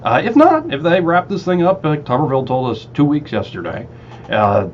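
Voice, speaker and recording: A man hosting a casual talk radio show, chatty and quick to laugh, often restarting his sentences. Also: on the high side, sing-song, highs cut off, a little hiss or hum.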